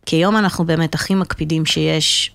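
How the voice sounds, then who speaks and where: A woman's voice: low-pitched, fairly even intonation, gravelly, no room sound. Woman with a slight French-sounding accent, close-miked. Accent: Hebrew with a slight French-sounding lilt. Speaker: marketing executive, interview guest. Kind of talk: conversational business interview.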